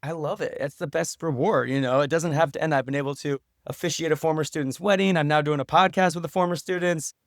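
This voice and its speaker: Appearing as a podcast guest, a professor and documentary maker with a slightly high voice talks fast with hardly any pauses and fairly even intonation. His casual, earnest interview answers are full of "you know" and "like." The studio sound is clean, with no room sound.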